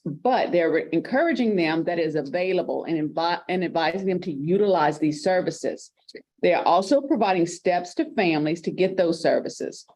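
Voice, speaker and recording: A woman's voice: lowish voice, dark tone, low-quality recording. A woman giving a committee report at a public council meeting, reading from notes with fillers and small restarts.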